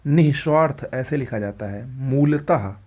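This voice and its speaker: A man teaching an exam-prep spelling lesson, briskly going through words and pointing at what is written on screen. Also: mid-range voice, a little mellow.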